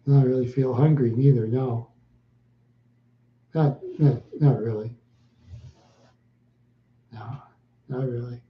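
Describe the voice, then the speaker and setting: A man chatting slowly with viewers on a live stream, answering in short, halting phrases and often repeating himself. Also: mid-range voice, steady tone, roomy sound, lo-fi sound. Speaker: livestreamer.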